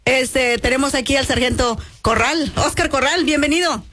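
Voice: high voice, moderate pace, pushed and bright, soft background music. A radio show host interviewing a guest, switching between Spanish and an indigenous language.

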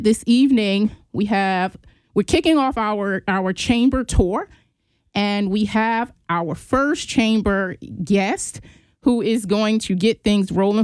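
Upbeat announcements open this business chamber radio program, read by a woman who then welcomes a guest to interview. Her mid-range voice is a little mellow, captured without room sound.

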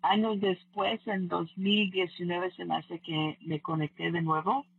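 A woman's voice: on the low side, little pitch movement, unhurried, gravelly, breathy edge, no room sound. A woman telling her own story as a former scholarship recipient in an interview, earnest, with hesitant restarts. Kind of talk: casual personal story in an interview. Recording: dry tinny phone-like line.

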